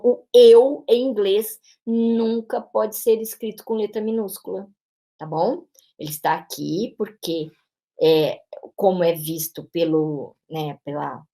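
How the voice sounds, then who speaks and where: Brazilian teacher with a São Paulo interior accent. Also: female voice, mid-range voice, darkish tone. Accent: São Paulo interior Brazilian Portuguese. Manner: explanatory, checks in with frequent tag questions. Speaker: English teacher. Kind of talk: pronunciation lesson narration.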